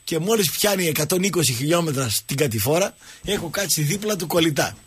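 A man hosting a radio show, telling jokey stories and talking with callers in an animated way. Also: a little high, breathy edge, no echo. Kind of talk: casual radio talk.

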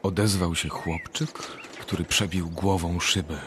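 An actor playing a grave narrator of dark stories in a scripted radio drama. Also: male voice, low voice, fairly even intonation, unhurried. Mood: matter-of-fact. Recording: clearly noisy background.

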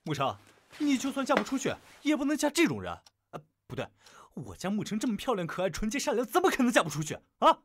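A man's voice: sits high, huge pitch swings, fast, heavily acted. A man playing a protective, playful young elder brother in an audio drama, with exaggerated indignant banter. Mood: indignant, doting. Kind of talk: fan audio drama acting.

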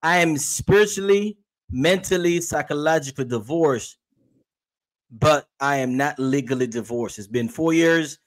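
A man's voice: a little high, unhurried. A middle-aged man from Haiti, a guest and emotional health coach, chatting earnestly on a video call. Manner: earnest, animated storyteller. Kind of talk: casual chat on a video call. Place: small room at home. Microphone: video call webcam.

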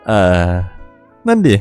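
A young man casually commenting on a game he plays, crude and joking, swearing often. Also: a little mellow. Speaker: gaming channel host.

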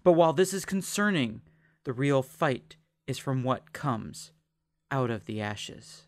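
A man's voice: medium pitch, lively intonation, measured pace. A man hosting a podcast, reading scripted promotional narration. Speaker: podcast host.

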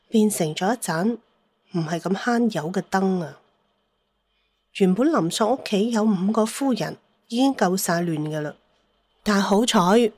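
A woman's voice: medium pitch, a little mellow, no echo. A woman with a Cantonese accent narrating a dramatised story as an audiobook reader.

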